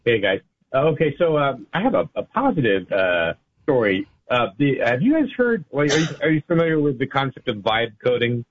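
A man calling in to a talk radio show, speaking haltingly with many fillers. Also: mid-range voice, sing-song, narrow, tinny audio. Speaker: caller.

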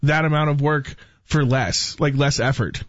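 Hesitant man thinking out loud. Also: on the high side, steady tone, normal speed, no room sound. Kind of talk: casual discussion on a talk show. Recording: dull lo-fi sound.

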